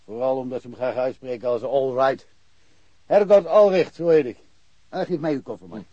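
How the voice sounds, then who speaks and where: An actor playing a talkative, folksy middle-aged provincial police inspector in a naturalistic radio drama. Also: male voice, medium pitch, normal speed, warm tone, no room sound, natural voice. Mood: sheepish, friendly. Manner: talkative, colloquial, self-deprecating. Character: chatty, folksy provincial Swedish police inspector, long-serving local. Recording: muffled, noisy radio drama recording.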